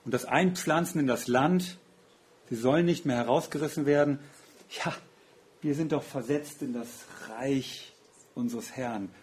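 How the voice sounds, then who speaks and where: A man's voice: medium pitch, measured pace, a little mellow. A man preaching a sermon in an earnest, reflective way, often asking rhetorical questions.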